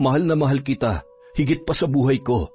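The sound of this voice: The voice reads in an unforced way. Its intonation stays fairly even.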